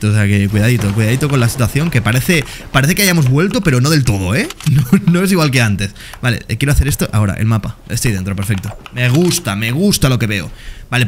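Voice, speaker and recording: Streamer joven, acento peninsular, comentario de juego acelerado y bromista; grabación con ruido y clics. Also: male voice, mid-range voice, a little hiss or hum. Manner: excitable, talks to viewers as "señores" and "tío", jokey. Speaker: gaming streamer. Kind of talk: excited gameplay commentary.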